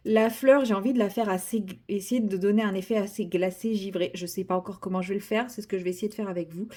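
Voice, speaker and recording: A woman's voice: medium pitch, steady tone, fast talker, dark tone. A young woman chatting casually about her coloring project, rambling with many fillers and restarts and poking fun at herself. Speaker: coloring vlogger. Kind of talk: casual chat while coloring.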